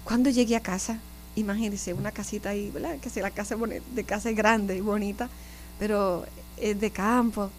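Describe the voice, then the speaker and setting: A Puerto Rican woman in her fifties, a Catholic nun, telling her personal story in an interview with animated, direct address to her listeners. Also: medium pitch, brisk, a little hiss or hum. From Puerto Rico. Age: 50s.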